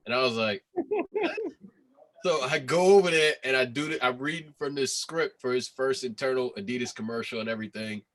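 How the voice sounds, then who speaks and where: A man's voice: medium pitch, very animated, normal speed, fairly bright tone. A man in his forties, a guest designer, telling a funny story and laughing along over a video call from home. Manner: amused, laughs while telling stories. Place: home room. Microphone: laptop mic on video call.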